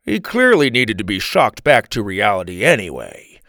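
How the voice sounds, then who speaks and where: A man voicing a genial, confident older grandfather who explains things in a measured way. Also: lowish voice, huge pitch swings, sharp tone, dry recording, studio quality, heavily acted. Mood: unbothered.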